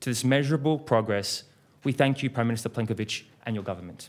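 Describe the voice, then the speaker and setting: Medium-pitched male speech in an Australian accent. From Australia, Melbourne. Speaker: lawyer, diaspora program participant. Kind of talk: formal speech. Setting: government hall with audience. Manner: formal.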